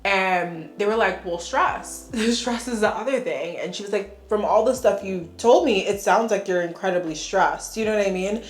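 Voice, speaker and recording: A young woman talks in a frank, chatty way, her voice a little stuffy from congestion. She sits at a middle pitch in a room that gives her voice a noticeable echo. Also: normal speed, hardly any pauses, soft background music. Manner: chatty, frank, laughs often. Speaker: beauty vlogger. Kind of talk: casual get-ready-with-me chat. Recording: echoey room.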